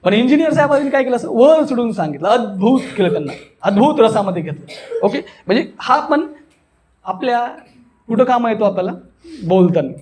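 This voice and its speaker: A man's voice: very high voice, big pitch swings, fairly quick, a little mellow. A man from Maharashtra leading a spoken workshop as a voice trainer, demonstrating theatrically and putting questions to his students. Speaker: voice modulation trainer, anchor and voice artist.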